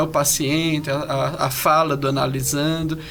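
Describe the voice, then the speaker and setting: A man with a northeastern Brazilian accent talks at a fairly slow pace over music in the background. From Brazil, Ceará (Crato). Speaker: psychoanalyst. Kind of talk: podcast interview.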